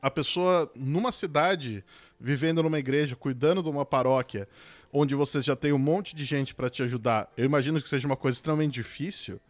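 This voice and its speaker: A man's voice: medium pitch, brisk, no echo. A Brazilian man with a Brazilian Portuguese accent, co-hosting a podcast in casual chat and teasing his co-host in a joking way.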